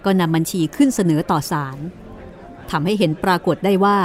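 A woman's voice: fairly low pitch, moderate pace, soft background music. A woman narrating a courtroom mystery story in a storytelling style.

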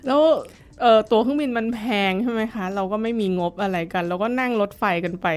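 A middle-aged woman who teaches violin looks back on her past in a casual interview, speaking thoughtfully with many fillers and restarts. Her voice is a little high and clean-toned, at a quick pace.

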